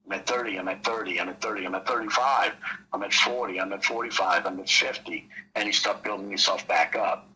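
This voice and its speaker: A man's voice: fairly low pitch, fairly even intonation, fairly quick, pushed and bright, rough recording. A man explaining trading casually on a call, rambling and leaning on "you know" between thoughts. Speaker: trading mentor.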